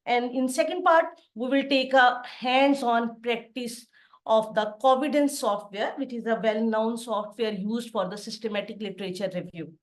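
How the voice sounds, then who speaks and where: Woman lecturing over a video call. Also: fairly high pitch. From Pakistan. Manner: careful, plain explaining with frequent "uh" pauses. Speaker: assistant professor giving a webinar lecture. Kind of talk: online lecture. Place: home study with bookshelves behind.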